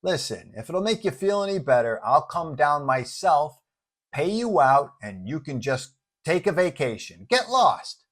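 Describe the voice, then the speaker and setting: A man's voice: on the high side, big pitch swings, measured pace, fairly bright tone, heavily acted. Man doing a glib, swooping politician schmoozer. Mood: soothing, pushy. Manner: glib, placating, informal. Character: slick, wheedling male career politician on the phone.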